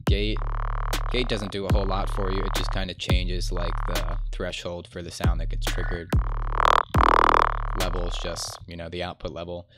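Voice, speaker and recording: A man's voice: deep voice, level tone, normal speed. A man in his twenties giving a casual, laid-back music production tutorial in an informal, colloquial way. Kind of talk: casual screen-share tutorial. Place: indoor room at a computer desk. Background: loud electronic synth sounds.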